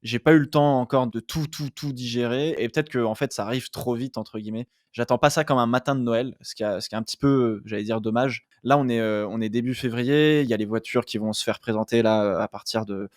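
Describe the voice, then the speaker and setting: A man in his late twenties, a content creator answering interview questions in a relaxed, thoughtful way, with many fillers and restarts. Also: mid-range voice, a little fast, hardly any pauses, no room sound, clean studio sound. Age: late 20s. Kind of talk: casual interview talk.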